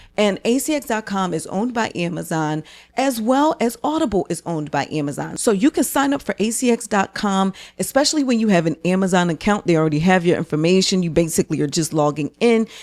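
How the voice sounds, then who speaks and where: Speaking very fast with a Philadelphia accent, this animated voice swings very widely in pitch over a very clean recording with a silent background. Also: woman, medium pitch for a woman. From US Northeast, Philadelphia. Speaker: YouTuber and audiobook narrator. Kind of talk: casual direct-to-camera tutorial.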